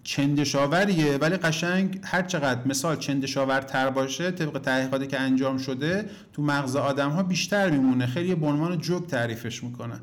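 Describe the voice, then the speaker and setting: A man teaching a relationship course to his students, talking to them directly, telling anecdotes and pushing his points with big rises and falls in pitch. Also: few pauses. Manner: emphatic, swings pitch up and down for emphasis; addresses listeners directly as "kids".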